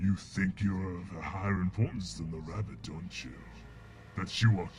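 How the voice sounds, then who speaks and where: A man's put-on character voice, very deep and low in pitch, at a fairly slow pace with clear background noise. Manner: flat, menacing.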